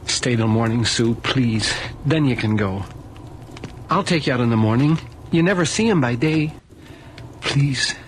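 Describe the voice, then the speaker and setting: A lonely young ghost of a man, played by an actor in a radio play, pleading and intimate. He coaxes eerily over clear background noise. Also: mid-range voice, expressive, a little slow, pauses often, lightly acted. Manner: coaxing, intimate. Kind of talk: radio drama acting.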